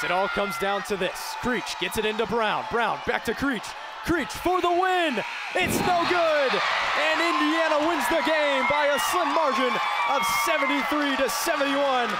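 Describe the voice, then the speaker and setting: A young American man doing live play-by-play sports commentary, projecting with urgency. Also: high voice. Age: young adult, about 20. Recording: loud crowd noise from the arena. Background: sports crowd and game ambience.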